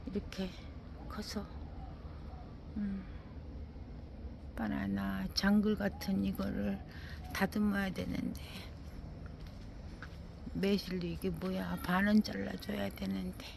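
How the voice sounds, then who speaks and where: A woman with a slow, unhurried delivery and a gravelly edge to her voice strolls through her indoor winter garden, remarking on each plant. She sighs and exclaims as she goes, and often talks straight to the plants. A faint hiss of background noise sits under the recording. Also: mid-range voice, darkish tone. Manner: talks to plants and scolds her dog, frequent sighing exclamations. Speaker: gardening vlogger. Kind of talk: casual commentary touring her plants.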